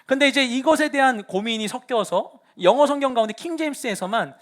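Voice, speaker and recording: A man preaches with a high, bright voice, and his pitch swings widely as he tells a story. He is a pastor giving a sermon and acting out the voices of the people in it. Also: animated, fairly quick.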